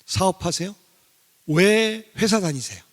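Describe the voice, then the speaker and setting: A middle-aged man giving a sermon testimony as a guest revival speaker. He speaks in an animated way and poses questions to the congregation. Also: high voice, unhurried. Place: church sanctuary. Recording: long reverb of a church hall.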